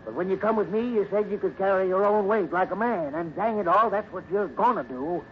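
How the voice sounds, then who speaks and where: An old recording with muffled sound and faint noise carries a man acting a crusty old hobo. He has a fairly high voice and a folksy rural American drawl, gruff on the surface and kindly underneath, in the manner of 1950s radio adventure. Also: lightly acted. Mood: gruff, impatient. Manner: folksy, scolding, drawn-out sighs and exclamations.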